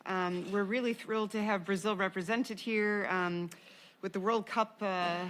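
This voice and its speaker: A woman moderates a panel and introduces each speaker, often pausing and restarting mid-sentence. Her voice sits at a middle pitch, and there is a faint background hum. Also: steady tone, a bit bright. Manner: halting, with frequent pauses and restarts.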